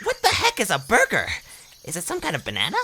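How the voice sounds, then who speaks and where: A woman playing a small, excitable, blunt young cartoon ape in a fan audio drama. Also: medium pitch, fast, slight background noise. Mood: curious. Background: music.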